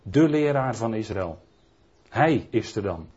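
Male preacher, husky, rambling Bible-study delivery full of restarts, muffled low-fidelity recording. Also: animated, measured pace, darkish tone. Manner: rambling, frequent tag questions and restarts. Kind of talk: Bible teaching sermon. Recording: dull lo-fi recording.

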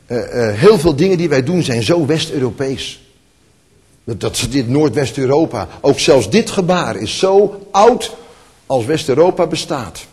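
Male preacher, husky voice, mid pitch, church hall echo, intense build-ups. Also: lively intonation, measured pace. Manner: swings between hushed tenderness and rising, emphatic calls. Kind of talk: sermon. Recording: long hall reverb.

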